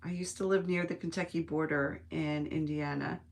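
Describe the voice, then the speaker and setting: The woman at the craft table on a weekend livestream, thinking out loud and chatting easily with whoever drops in. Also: low-pitched, fairly even intonation, moderate pace. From United States. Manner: chatty, musing aloud, chuckling often. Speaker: host of a live craft stream. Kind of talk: casual craft-along chat, reading viewer comments.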